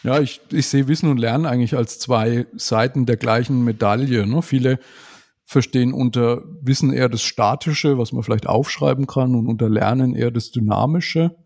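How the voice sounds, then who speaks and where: A man in his forties, a podcast guest, talking in a thoughtful, measured way and often ending remarks with a questioning tag. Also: medium pitch, a little mellow. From Germany. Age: 40s. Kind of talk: casual conversational interview.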